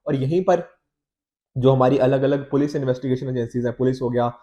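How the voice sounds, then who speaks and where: With a mid-range, mellow voice, fairly even intonation and a brisk pace, an Indian exam coach explains newspaper editorials, switching between Hindi and English. The audio has its highs cut off. He teaches conversationally, often checking in with listeners, and sounds slightly hoarse from a mild cold.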